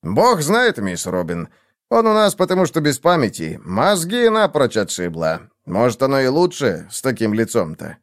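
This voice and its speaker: A man's voice: mid-range voice, wildly swooping pitch, normal speed. A man voicing a plain-spoken, folksy sergeant with a rustic, chatty manner.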